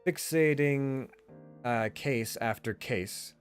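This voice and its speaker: A man's voice: medium pitch, slow. A man streaming a visual novel, reading the narration dramatically and adding casual asides. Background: faint music.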